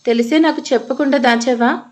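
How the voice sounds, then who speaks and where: A woman's voice: high-pitched, fairly even intonation, brisk, a little mellow, lightly acted. Woman reading a young man, heartbroken, distraught, pleading, agitated, audio storybook. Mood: anguished. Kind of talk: storybook narration with quoted dialogue.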